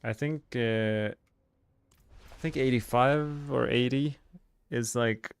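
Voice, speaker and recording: A young adult man from Sweden, talking through a live game stream in a relaxed, halting way. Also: medium pitch, gravelly, clear, resonant tone. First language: Swedish. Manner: relaxed, halting, frequent uh and restarts. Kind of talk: live stream commentary while gaming.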